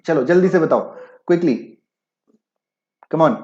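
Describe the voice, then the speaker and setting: Higher-voiced teacher, echoey and dull. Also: male voice, a little slow, darkish tone. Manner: mixes Hindi with English, keeps checking if students follow. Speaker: online exam-prep teacher. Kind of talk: live-class explanation with chat replies.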